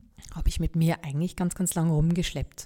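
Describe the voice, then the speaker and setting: A woman speaks with a fairly low pitch. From Bavaria, Upper Palatinate (rural). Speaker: podcast host, voice and spiritual coach. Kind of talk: personal monologue.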